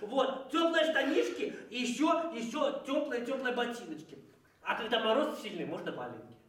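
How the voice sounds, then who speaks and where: A man's voice: very high voice, expressive, normal speed, fairly bright tone. A man playing a cheerful, caring clown who teaches children how to stay healthy, recorded in a children's TV studio. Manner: fussy, instructive, talks to children. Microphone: distant camera mic. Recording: echoey studio from far off.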